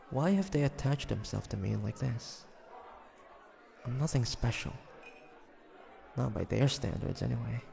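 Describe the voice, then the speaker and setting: A man playing a hesitant, gentle young demon hunter in an intimate audio roleplay, with halting, murmured delivery. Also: mid-range voice, gravelly. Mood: pensive. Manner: halting, murmured musing, stammers when flustered.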